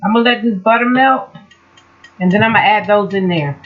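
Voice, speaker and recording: A woman's voice: mid-range voice, fairly quick. A woman hosting a casual cooking vlog, chatting and explaining each step as she cooks. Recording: dull lo-fi home video sound.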